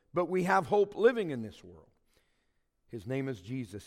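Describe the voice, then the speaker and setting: This is a very clean recording with a silent background. A man speaks at a moderate pace. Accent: American. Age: 50s. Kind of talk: sermon. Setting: church.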